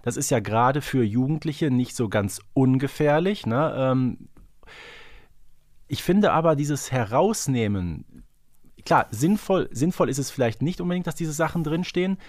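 A man's voice: mid-range voice, expressive, moderate pace, a little mellow, no echo, studio quality. A man co-hosting a podcast in casual conversation, often tagging his remarks with little questions. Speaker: podcast co-host.

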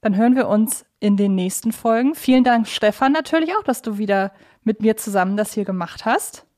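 A woman's voice: fairly high pitch, fairly quick, darkish tone. A woman co-hosting a podcast interview, earnest and fond of repeating words for emphasis. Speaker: podcast co-host.

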